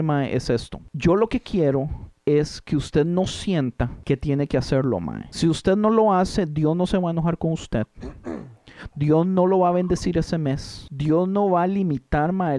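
A Costa Rican man in his thirties, co-hosting a casual podcast chat with animated, slangy, self-mocking talk. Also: on the high side, moderate pace, dry recording. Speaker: podcast co-host, worship leader.

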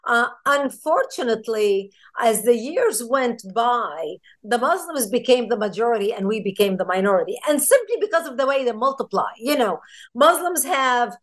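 A woman with a notably high voice speaks as a radio interview guest. She tells her story with passion, leaning hard on her key words. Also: lively intonation, moderate pace. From Lebanon. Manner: passionate, emphatic.

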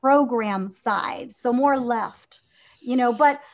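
A woman's voice: fairly high pitch, slow, a little mellow. A woman in her fifties from Venezuela, a guest in an interview, talking earnestly with many fillers and restarts. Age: 50s. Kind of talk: conversational interview.

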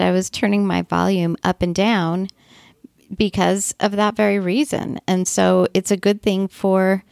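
A woman co-hosting a podcast, talking in a relaxed, matter-of-fact way. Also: on the low side, creaky, dry recording, studio quality. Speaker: podcast co-host. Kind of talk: casual podcast chat.

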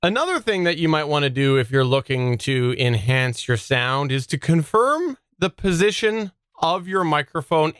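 A man's voice: fairly high pitch, a bit bright, clean tone, no room sound, clean studio sound. A man co-hosting a podcast, giving practical, conversational advice about microphones and sound. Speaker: podcast co-host. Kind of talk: casual instructional chat.

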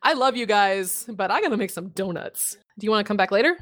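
A woman co-hosting a podcast in loose, casual chat. She laughs often, swears freely and tells animated stories. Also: medium pitch, fast. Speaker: podcast co-host.

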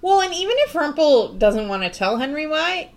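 A woman's voice: high voice, very animated, normal speed. Woman podcast co-host, easygoing, agreeable, loose and rambling. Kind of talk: casual chat recapping a TV episode.

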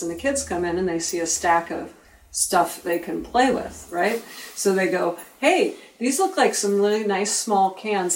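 A woman, a youth fitness coach, casually telling stories on a podcast and chuckling as she goes. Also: fairly low pitch. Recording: roomy and distant from the mic.

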